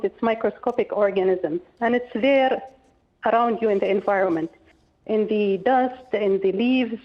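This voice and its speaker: Woman on a dull phone line. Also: on the high side. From Oman. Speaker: infectious disease consultant, interviewed guest. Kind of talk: explanatory phone interview. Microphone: telephone. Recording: dull, band-limited telephone line.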